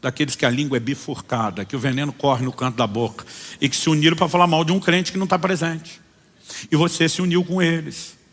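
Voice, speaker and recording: Preaching a little fast in a slightly high voice, the pastor acts out anecdotes in his sermon with lively storytelling, speaking as the people in his stories. The recording carries long hall reverb.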